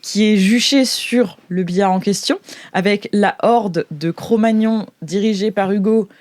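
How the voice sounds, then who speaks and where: A woman with a mid-range voice runs an improvised tabletop game as its host. She talks in a halting, amused way, and the sound is very dry. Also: mid-range voice, darkish tone, no room sound.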